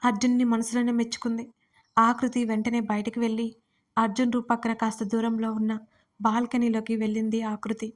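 A woman narrating a romantic audio story with a steady, even reading. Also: fairly high pitch, fairly quick.

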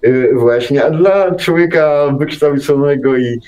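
A man's voice: on the high side, a little slow, warm tone. A middle-aged man in casual radio conversation, telling things in a wry, anecdotal way. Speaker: radio show speaker. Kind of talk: casual chat.

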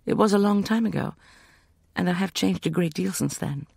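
A man voicing a shy, earnest young woman who speaks softly and hesitantly in an audiobook. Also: high-pitched, moderate pace, vocal fry, breathy edge, dry recording, clean studio sound, voice pushed up, heavily acted. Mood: polite.

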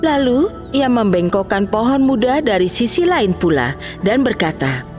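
A woman telling a children's bedtime tale in a clear, lively storytelling voice. Her pitch rises and falls a lot as she narrates. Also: normal speed, soft background music.

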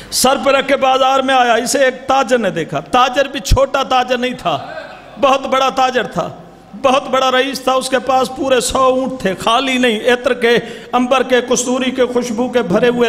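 A man's voice: extremely high pitch, a bit bright. A man with a Pakistani accent giving a devotional storytelling oration, declaiming and urging the crowd to respond. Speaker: religious orator. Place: large gathering hall. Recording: reverberant hall, faint noise.

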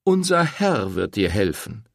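A man's voice: lowish voice, very animated, unhurried, gravelly, no room sound, studio quality, exaggerated voice. A man voicing an uneasy village priest in an audiobook, stammering and soothing. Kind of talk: audiobook character voice.

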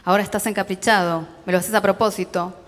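A gruff, irritable father barks at his small son in a Rioplatense accent, as a woman reads his lines. He sounds harsh and loud, with a long hall reverb trailing each word. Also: medium pitch, fairly even intonation, fast, natural voice. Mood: angry. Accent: Rioplatense Spanish.

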